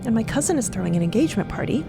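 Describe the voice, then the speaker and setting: A woman plays a sincere, eager noblewoman in an audio drama. Talk comes in a chatty, tentative way, over clearly audible music. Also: on the high side, sing-song, very fast, pitched above the performer's own voice. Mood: friendly, keen. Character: earnest, wistful, sheltered noblewoman eager to belong. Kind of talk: scripted audio fiction.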